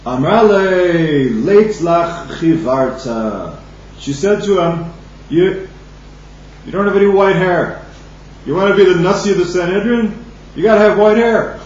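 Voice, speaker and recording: Halting man teaching in a very echoey room. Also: high voice, expressive, darkish tone. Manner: halting, restarts phrases, reads Aramaic then explains in English. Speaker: Talmud teacher. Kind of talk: daily Talmud study lesson. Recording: distant, dull lo-fi mic in an echoey room with faint hum.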